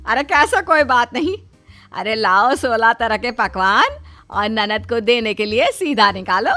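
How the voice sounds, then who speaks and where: A woman voicing a generous, bossy older mother-in-law in a cartoon who orders big meals loudly and chuckles. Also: on the high side, lively intonation, a little slow, soft background music. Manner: loud, commanding, chuckling.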